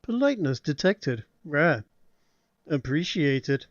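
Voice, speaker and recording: A man's voice: fairly high pitch, takes it slowly, no echo, dull audio. A man voicing an ancient, guarded artificial intelligence that reads out its computer processing steps in short, clipped status calls. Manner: clipped, flat status announcements. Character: ancient AI archive, terse and guarded. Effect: computer processing readouts. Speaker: game master.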